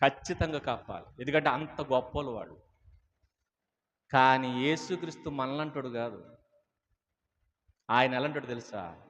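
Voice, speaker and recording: Forceful male preacher in a reverberant hall. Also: on the high side. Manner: rhetorical questions to the congregation. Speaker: pastor. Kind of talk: sermon. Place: church stage at a podium. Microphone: stage microphone.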